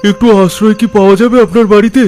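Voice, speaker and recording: An actor playing a polite, anxious middle-aged gentleman pleading deferentially in an audio horror drama. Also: sits high, steady tone, quick pace, faint music behind, lightly acted.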